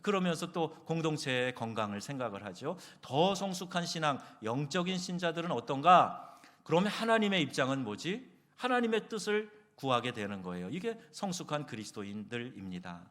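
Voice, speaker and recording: A man's voice: on the high side, big pitch swings, a little fast, a bit bright. A man pastor preaching a sermon with fervent, emphatic exclamations. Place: church sanctuary. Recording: church hall reverb.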